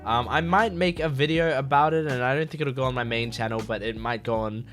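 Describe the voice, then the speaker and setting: A man who runs an anime reaction channel, talking casually to his viewers while sick, so his voice is gravelly and raspy and he coughs, rambling with many fillers and bursts of excitement. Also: medium pitch, brisk, faint music behind. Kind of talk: casual chat to camera, reacting to an episode.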